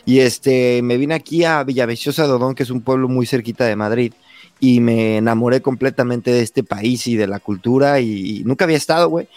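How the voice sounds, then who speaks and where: A Mexican man in his thirties, a podcast host telling his story in a relaxed chat, acting out quoted lines with lively voices. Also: medium pitch, a little fast, no room sound. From Mexico, San Luis Potosí. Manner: animated, acts out quoted dialogue, says güey constantly. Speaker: podcast host being interviewed. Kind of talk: casual conversation.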